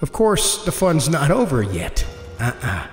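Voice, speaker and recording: A man's voice: on the high side, big pitch swings, a little slow. Guy reading scripted podcast credits, lots of reverb, bit of music under him. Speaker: podcast presenter.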